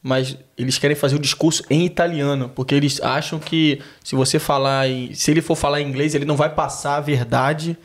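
A Brazilian man hosting a podcast, talking in a relaxed, slangy way. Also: fairly high pitch, a little fast, hardly any pauses. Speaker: podcast host. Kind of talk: casual chat.

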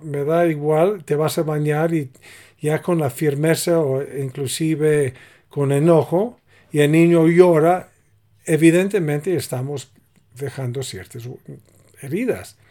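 A middle-aged man, calmly explaining parenting ideas in a casual conversation. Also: on the high side. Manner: calm, explanatory, acts out little example dialogues. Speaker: podcast co-host giving parenting advice.

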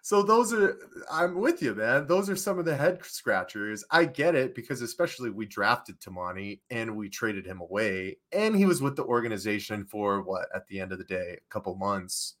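A man's voice: fairly low pitch, sing-song, moderate pace, hardly any pauses, a bit bright. A man co-hosting a sports show who talks emphatically and laughs between his words. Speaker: podcast co-host. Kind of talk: casual sports chat.

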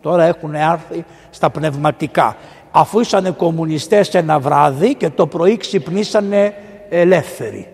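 A man, a priest, delivering a lively, colloquial sermon, swinging between loud exclamations and hushed asides. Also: fairly high pitch. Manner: colloquial, storytelling. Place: large church. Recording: echoey church with long reverb.

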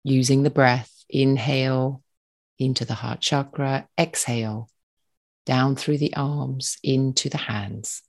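With a calm manner and a medium-pitched voice, a meditation guide gives slow, soothing spoken instructions in short, spaced-out phrases.

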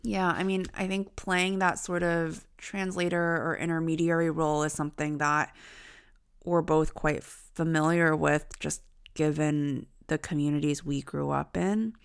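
A woman's voice: sits low, little pitch movement, unhurried, creaky, clear, resonant tone. A young woman co-hosting a podcast, telling a family story in a thoughtful, reflective way. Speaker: podcast co-host. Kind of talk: casual conversation.

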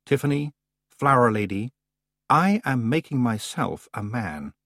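A man reading an audiobook, voicing a faint, cold male winter spirit who speaks slowly and in a hush. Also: mid-range voice, sing-song, dry recording, clean studio sound. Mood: eerie.

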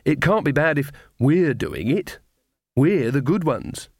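A man's voice: fairly high pitch, lively intonation, takes it slowly, dry recording, voice pushed up. Guy doing young witch lady for audiobook, earnest, prim, bit unsure of herself, dry recording. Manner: hesitant, prim. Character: earnest, hesitant, virtuous younger woman witch. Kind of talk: audiobook character voice.

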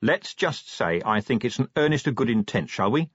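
A gruff fantasy police commander from an audiobook, as acted by a man, with a husky edge to the voice. He is brisk and commanding, dryly sardonic, and his pitch moves about freely. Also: expressive, no echo, muffled recording.

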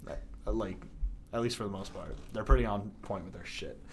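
A man's voice: on the low side, fairly quick, a little hiss or hum. Casual, profane young man guest. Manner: loose and profane, laughs often, fillers like "like". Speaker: podcast guest, metal band vocalist. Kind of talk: casual chat.

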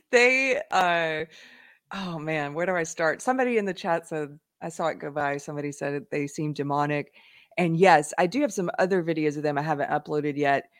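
A woman's voice: low voice, moderate pace, no room sound, clean studio sound. A woman hosting a live online talk show, retelling events animatedly with frequent laughs. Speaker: livestream show host. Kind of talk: casual chat.

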